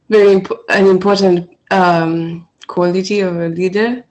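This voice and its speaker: Slow, hesitant woman from Kenya. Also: lowish voice, darkish tone, low-quality recording. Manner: careful, hesitant, many fillers. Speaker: international student.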